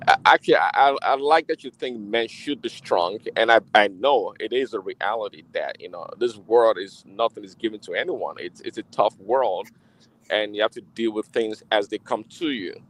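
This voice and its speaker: A man's voice: fairly low pitch, moderate pace, low-quality recording. A man on a live audio panel asks a question hesitantly, with many fillers and restarts. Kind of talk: casual live-room chat.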